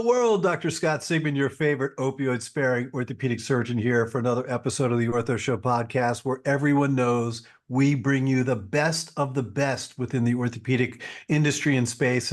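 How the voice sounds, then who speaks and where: A man hosting a podcast interview, an orthopedic surgeon who talks in an enthusiastic, effusive, promotional way. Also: mid-range voice.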